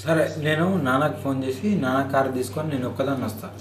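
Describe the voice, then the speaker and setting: A woman's voice: extremely low pitch, steady tone, fast. Woman on an echoey phone call. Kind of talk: private phone conversation, informal. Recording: echoey, noisy leaked phone call recording.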